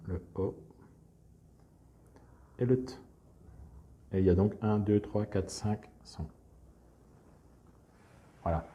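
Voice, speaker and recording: Calm man with a very dark voice. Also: on the low side. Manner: calm explanatory, frequent "donc" and "hein". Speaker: teacher presenting a reading method. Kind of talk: instructional screencast walkthrough.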